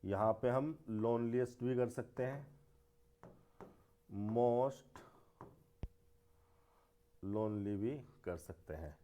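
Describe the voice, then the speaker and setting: A man with a mellow, rather dark voice teaches a grammar class. He explains step by step, repeating key words and asking the class rhetorical questions as he goes. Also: mid-range voice, extremely slow, long pauses. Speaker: English teacher.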